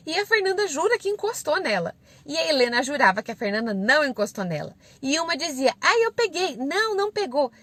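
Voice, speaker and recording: Brazilian-accented woman, 30s, live-stream parenting advice, chatty, slightly high voice, dry sound in a car. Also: no room sound. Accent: Brazilian Portuguese. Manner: warm and conversational, often adds "né?" and "certo?". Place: inside a parked car.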